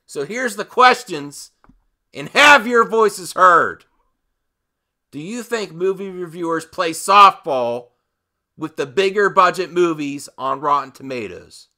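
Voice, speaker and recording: A man's voice: high-pitched, pushed and bright. A man hosting a movie commentary channel, delivering an opinionated rant to viewers in an emphatic, combative way full of rhetorical questions.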